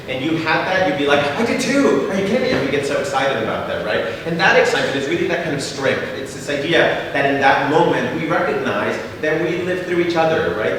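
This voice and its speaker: A man's voice: medium pitch, a bit bright. A middle-aged man, native Spanish speaker from Mexico, presenting his theater company with slides, full of "uh"s and rhetorical "right?". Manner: many filler sounds, frequent rhetorical "right?". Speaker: theater company artistic director giving a talk. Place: large echoing hall. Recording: echoey hall, voice from far off, faint noise.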